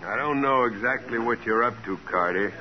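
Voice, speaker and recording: An actor playing a gruff, suspicious work crew boss with an American accent, curt and wary, in 1940s radio drama style. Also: male voice, mid-range voice, brisk, a crowd in the background, close to an everyday voice. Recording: dull old radio, busy background voices.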